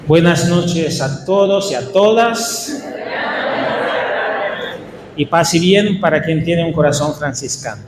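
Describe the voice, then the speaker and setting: A man with an Italian accent, a Franciscan priest leading a workshop for catechists, speaking in an unhurried, halting way with small restarts. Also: fairly high pitch, expressive, very noisy. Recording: echoey hall with faint ambience.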